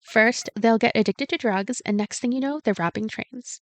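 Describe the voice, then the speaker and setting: A woman's voice: a little high, moderate pace, natural voice. A woman voicing a dignified, teacher-like young woman who takes charge in a story game, reasoning in an orderly, bossy way. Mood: stern warning.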